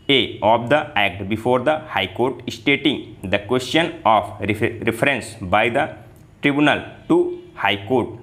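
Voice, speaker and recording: A man reads aloud as a dictation reader for shorthand learners. His voice sits at a middle pitch. He delivers formal legal prose in measured, separated phrases, dictating it for someone to write down. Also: a bit bright.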